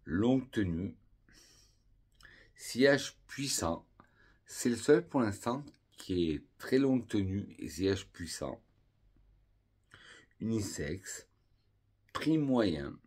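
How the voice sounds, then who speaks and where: A deep-voiced man from France talks through perfumes in a relaxed video review. His voice is low and a little husky, and he takes his time, naming notes one after another in an unhurried way. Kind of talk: casual perfume review vlog.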